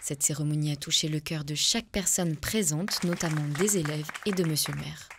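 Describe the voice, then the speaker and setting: A woman narrating a news report voice-over in a steady, formal manner. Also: sits low, fairly quick, background noise.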